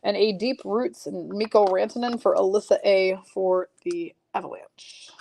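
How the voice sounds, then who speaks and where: A woman's voice: mid-range voice, moderate pace, creaky, mellow, slight background noise, low-quality recording. A woman hosting a live card break, chatting with viewers and reading off card names and teams, her voice a little froggy. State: slightly froggy voice. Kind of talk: live-streamed card break, casual chat.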